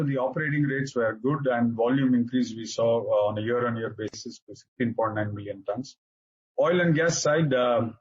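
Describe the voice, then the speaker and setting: A man with an Indian accent presents as a finance executive on an earnings call, halting often with filler sounds. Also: medium pitch, a little mellow, a little hiss or hum. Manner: halting, hesitant delivery with frequent filler sounds. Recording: dull lo-fi conference call audio.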